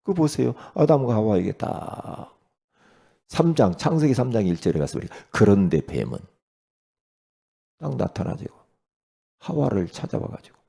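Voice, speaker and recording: A man preaching an early-morning sermon as pastor, talking with lively swings and often asking his listeners questions. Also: on the low side, moderate pace, gravelly, long pauses, breathy edge. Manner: animated preaching, rhetorical questions to the congregation.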